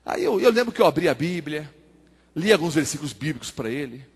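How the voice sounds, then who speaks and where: A man's voice: a little high, sing-song, a little fast, gravelly, breathy edge. A male pastor preaching a sermon in a church, telling a testimony and acting out the dialogue, addressing the congregation. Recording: long church hall reverb.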